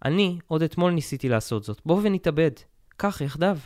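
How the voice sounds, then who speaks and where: A man's voice: a little high, lively intonation, a little mellow, no echo, clean studio sound, voice pushed up, close to an everyday voice. A man doing a desperate pleading young woman. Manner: melodramatic pleading.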